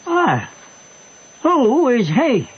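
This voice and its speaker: A muffled old radio drama with faint noise. a mild old uncle, uneasy and flustered, speaking slowly with big rises and falls. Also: male voice, extremely high pitch, wildly swooping pitch, full character voice. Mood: uneasy, puzzled.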